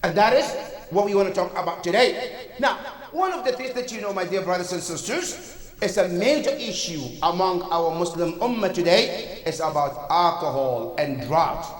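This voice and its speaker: A man's voice: high-pitched, expressive, normal speed. A man from Africa giving a Friday sermon as imam, earnest and full of rhetorical questions, in a mosque prayer hall. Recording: echoey hall, voice from far off.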